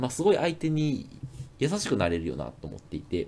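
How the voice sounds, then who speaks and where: With a Kansai accent, a man talks at a moderate pace and medium pitch, his voice swinging very widely in pitch. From Kansai, Japan. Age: 30s. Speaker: podcast co-host. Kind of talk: casual chat.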